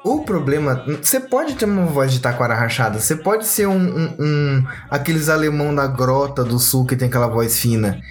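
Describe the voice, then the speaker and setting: A man's voice: mid-range voice, moderate pace, hardly any pauses, soft background music. Slangy Brazilian man chatting on a podcast. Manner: slangy, animated, mimics voices for jokes. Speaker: podcast co-host. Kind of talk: casual podcast chat.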